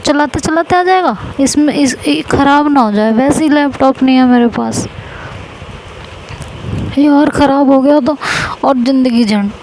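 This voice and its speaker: A woman's voice: high voice, measured pace, darkish tone, slight background noise, rough recording. A woman voicing an insecure young wife in an amateur audio story, whiny and pleading. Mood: stubborn. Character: tearful insecure young wife, self-doubting.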